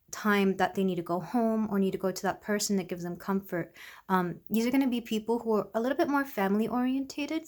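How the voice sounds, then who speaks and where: A woman's voice, a bit congested from a recent illness, drifts through a casual tarot reading. She talks softly at an ordinary mid pitch and rambles with fillers as she reads each card. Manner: soft, rambling, with many fillers. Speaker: tarot reader.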